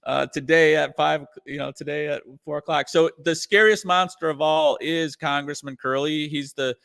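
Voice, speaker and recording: Gravelly-voiced man rambling in an interview. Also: fairly high pitch, steady tone, normal speed, fairly bright tone. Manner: rambling, with many restarts and "you know". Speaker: guest musician and comedian. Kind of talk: casual interview chat.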